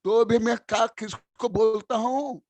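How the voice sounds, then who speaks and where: An older man preaching as a monk, pressing each point with slow, deliberate emphasis and coming back to it again and again. His voice sits high for a man and is heard dry and close, with no room around it. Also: fairly even intonation, a little mellow, no echo. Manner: slow, emphatic and repetitive, reciting verses. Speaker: Jain monk and spiritual teacher. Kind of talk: sermon.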